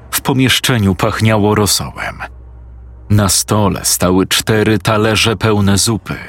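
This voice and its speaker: A man narrating a scripted horror story in a measured, suspenseful way. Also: lowish voice, fairly bright tone.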